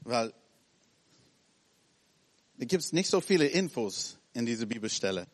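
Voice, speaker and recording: Animated preacher man in a reverberant hall. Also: mid-range voice, measured pace. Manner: animated, acts out scenes in short broken phrases. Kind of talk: sermon.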